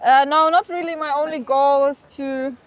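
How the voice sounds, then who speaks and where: A young woman chatting casually outdoors at a market, giving relaxed, brief replies. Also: sits high, normal speed. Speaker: travel companion. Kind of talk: casual chat while walking.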